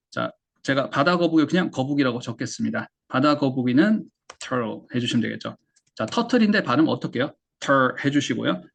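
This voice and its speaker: Korean guy teaching english sounds, gravelly husky voice, keeps asking then answering himself, says the english words over and over. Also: mid-range voice. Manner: explains step by step, asks and answers his own questions; demonstrates English words by repeating them. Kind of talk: online English pronunciation lesson.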